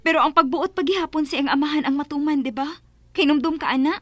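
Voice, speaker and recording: A Bisaya Filipino woman playing a devout, easily offended friend, earnest and expressive, in a radio drama comedy. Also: sits high, quick pace, dry recording, natural voice.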